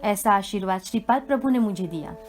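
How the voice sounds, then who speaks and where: A woman giving a measured, reverent devotional scripture reading. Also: mid-range voice, expressive, soft background music. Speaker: reader of a devotional text.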